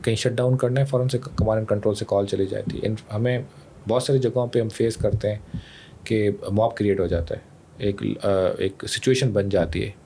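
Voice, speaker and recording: As an interview guest on a podcast, this official from an emergency rescue service explains his work in a Pakistani accent, weaving in English words and phrases. His lowish voice is warm, fairly even and moderately paced, and background noise is clearly audible.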